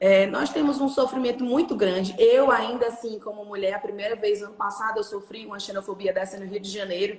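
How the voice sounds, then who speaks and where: Talking at a fairly quick clip with hardly any pauses, a woman with a medium-pitched voice swings widely in loudness against noticeable background noise. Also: ordinary pitch variation. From Brazil, Ceará (Serra da Ibiapaba). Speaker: lawyer. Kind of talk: live stream talk.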